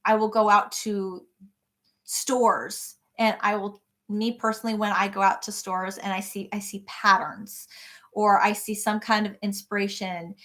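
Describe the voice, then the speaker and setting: A woman's voice: mid-range voice, little pitch movement, measured pace, fairly bright tone. A woman hosting a live crochet session, chatting casually and answering viewer comments by name in an encouraging way. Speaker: crochet livestream host. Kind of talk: casual livestream chat reading comments.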